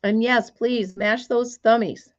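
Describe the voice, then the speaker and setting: A woman hosting a casual crafting livestream from her store, chatty and greeting viewers by name, her voice still hoarse as it recovers. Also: on the high side, steady tone, slow, highs cut off.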